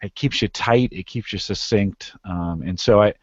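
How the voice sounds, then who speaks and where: A man's voice: lowish voice, normal speed, no room sound. A man who podcasts, talking conversationally as an interview guest and explaining things with repeated phrases for emphasis. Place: live video call. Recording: dull lo-fi online call audio.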